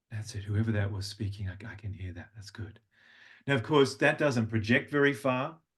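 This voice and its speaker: Against a quiet background, a man's somewhat breathy voice shows ordinary pitch variation. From Australia. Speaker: voice and communication coach. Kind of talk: online workshop talk.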